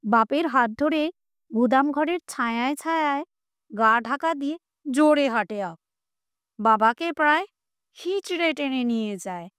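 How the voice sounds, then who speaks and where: A woman reading a Bengali short story aloud with measured, expressive storytelling. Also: high voice, dry recording, clean studio sound. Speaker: story reader. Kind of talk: scripted narration.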